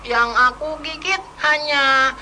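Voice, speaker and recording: A woman's voice: high-pitched, fairly even intonation, takes it slowly, bright, forceful tone, heavily acted. A woman voicing a kind, chatty talking white squirrel in a storytelling drama, playful and fussy, tripping over her words. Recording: music playing behind the voice.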